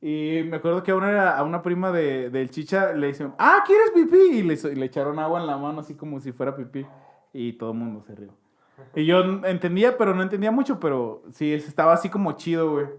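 A man's voice: a little high, fast. A young man with a Mexican accent tells a childhood story in casual, slangy chat, jumping into voices to mimic people.

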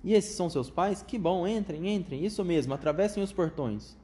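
In a lightly acted turn, a man voices an excitable, eccentric chocolate factory owner whose high, flutey voice pours out a rush of effusive welcomes.

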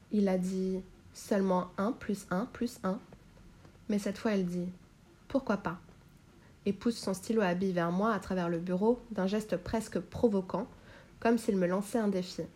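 A woman reads a novel aloud in the first person, her voice mellow and warm. Her delivery is measured and even, in the steady manner of an audiobook. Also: medium pitch. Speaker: reader.

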